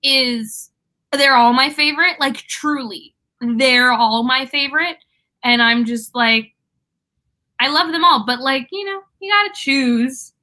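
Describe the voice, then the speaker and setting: A woman's voice: high voice, a little slow, pushed and bright. A young American woman co-hosting a casual book chat, gushing and playfully dramatic. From United States. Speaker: co-host of a book discussion live stream.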